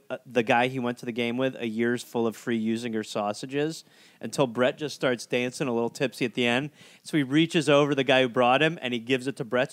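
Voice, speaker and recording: A man's voice: mid-range voice, no echo. A man co-hosting a comedy podcast, riffing in loose, profane, laughing banter and telling a rambling story.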